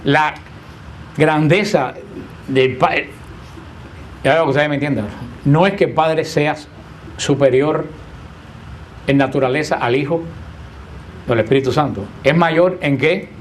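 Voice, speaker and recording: Man teaching a lively Bible class. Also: a little high, unhurried, pauses often, a little hiss or hum. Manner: conversational, asks the class questions, playful teasing.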